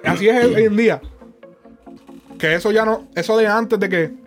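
Puerto Rican male host, high voice, emphatic and swearing, faint music bed. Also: normal speed. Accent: Puerto Rican Spanish. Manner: emphatic, heavy swearing, frequent restarts. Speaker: host of a music commentary show. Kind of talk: casual opinion commentary.

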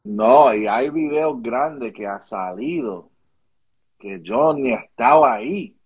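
A man with a Caribbean Spanish accent talks casually in Spanglish as an interview guest. He speaks at a middle pitch and often restarts, repeating words as he finds his way through a thought. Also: animated, takes it slowly, slightly rough, dull audio. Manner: Spanglish, Spanish mixed with English phrases. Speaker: interview guest, music video director.

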